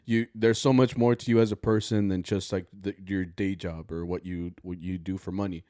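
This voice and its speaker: A man's voice: sits low, steady tone, moderate pace, mellow, dry recording, clean studio sound. A young man co-hosting a podcast, chatting easygoing and talkative, rambling with fillers. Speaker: podcast co-host. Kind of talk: casual podcast chat.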